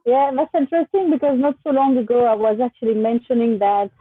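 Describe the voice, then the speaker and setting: Husky French woman on a tinny line. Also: a little high, fairly even intonation, fast, no echo. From France. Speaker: session participant. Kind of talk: casual personal anecdote. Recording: tinny phone-like line, dry.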